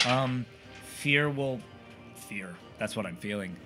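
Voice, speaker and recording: A man's voice: medium pitch, fairly bright tone, soft background music. Hesitant male tabletop player. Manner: hesitant, halting, restarts often. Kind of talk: casual tabletop game chat.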